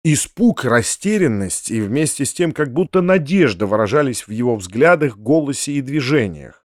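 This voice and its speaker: A man reading a classic novel aloud in steady, expressive scripted narration. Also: medium pitch, normal speed, no echo, clean studio sound. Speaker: audiobook narrator.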